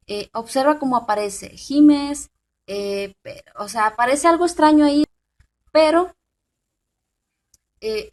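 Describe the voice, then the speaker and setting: A woman hosting a programming tutorial, thinking aloud with fillers and asking the viewer questions. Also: sits high. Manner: informal, thinks aloud with many fillers and restarts; addresses the viewer directly with questions. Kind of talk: screen-recorded software tutorial.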